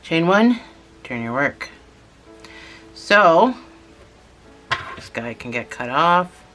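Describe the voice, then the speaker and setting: A channel host talking through a lesson step by step, patient and repetitive, a little hoarse from a cold. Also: medium pitch, sing-song, extremely slow, fairly bright tone, faint music behind, rough recording. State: has a cold, losing voice. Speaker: instructor. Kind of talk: step-by-step tutorial narration.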